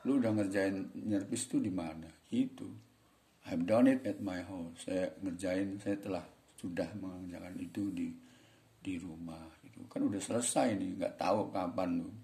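A man with a low, mellow voice teaches grammar in relaxed everyday slang. He talks to his viewers as friends and slows right down whenever he reads an example sentence aloud. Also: gravelly. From Indonesia. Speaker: English teacher. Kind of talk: casual teaching talk.

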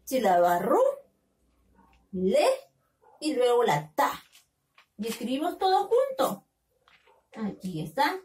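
A woman teaching a phonics lesson to young children, sounding out syllables slowly and coaxing them with questions. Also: fairly high pitch, darkish tone, distant mic. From Peru. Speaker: kindergarten teacher.

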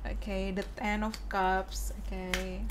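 Hoarse young woman, flat even tone, chatty tarot reader, faint background hiss. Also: medium pitch, very slow. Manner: chatty, mixes English phrases, says "oke" often. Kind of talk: casual tarot reading to viewers. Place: indoors at a wooden table.

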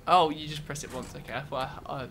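A man's voice: a little high, steady tone, fast talker, noisy background. A young man co-hosting a gaming show, chatting casually, joking and swearing as he reacts aloud to his play. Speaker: co-host of a gaming show, playing. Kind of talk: casual chat while playing a video game.

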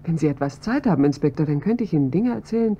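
An actress playing a composed, precise head pharmacist who comes to the police as a witness in a radio drama, speaking in a measured, guarded way. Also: female voice, low voice, lively intonation, dark tone. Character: composed female head pharmacist, adult woman. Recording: dull, slightly noisy audio with hum.

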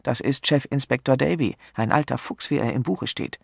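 A man's voice: mid-range voice, normal speed, vocal fry, slightly rough, dry recording, clean studio sound. Man doing a polished, wary hotel manager. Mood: sharp. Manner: polished, turns sharp.

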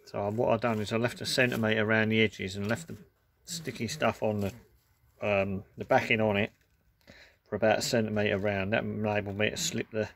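A man's voice: fairly low pitch, little pitch movement, moderate pace, gravelly, a bit bright. A man casually talking through a van conversion job while he works in his garage workshop, sometimes drifting away from the camera mic. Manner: chatty, offhand, talks while working. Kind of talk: casual DIY commentary. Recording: background music, voice sometimes off-mic.

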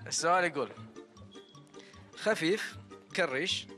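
A man's voice: a little high, animated, normal speed, sharp tone. A young man with a Qatari accent presenting a TV quiz as host, speaking into a handheld microphone. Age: young adult. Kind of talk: street and studio quiz presenting. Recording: music behind the voice.

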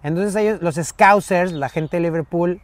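A man, a podcast guest telling stories in a lively way and mimicking English phrases. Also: high voice, normal speed. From Mexico. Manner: animated storyteller who mimics English phrases. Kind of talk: casual interview storytelling.

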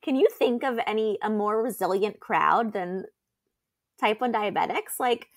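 A woman's voice: medium pitch, a little slow. A young woman co-hosting a podcast, talking in a chatty, reassuring way with lots of fillers. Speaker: podcast co-host. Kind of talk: casual chat.

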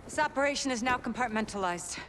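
An actress playing a firm, middle-aged CIA station chief in a game, clipped and commanding. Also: female voice, on the high side, lively intonation, noisy background, close to an everyday voice. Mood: urgent, firm. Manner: brisk, clipped, authoritative.

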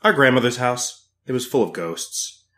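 A man's voice: expressive, normal speed, a bit bright, lightly acted. An actor playing a childlike, simple-minded young man, goofy and eager. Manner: goofy and eager, big leaps in pitch.

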